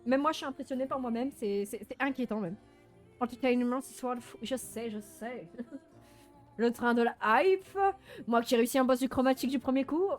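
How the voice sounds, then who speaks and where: Female game streamer, high voice, playful and self-mocking, chatty live commentary over faint music. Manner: animated, frequent laughing and exclaiming. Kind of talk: casual live gaming commentary.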